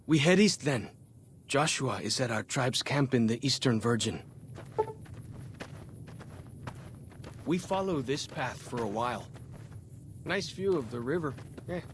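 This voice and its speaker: A man's voice: medium pitch, expressive, moderate pace, noisy background, close to an everyday voice. A man playing a friendly young tribal scout guide in a video game, easygoing and folksy with clipped phrasing. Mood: helpful, proud. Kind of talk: video game character dialogue.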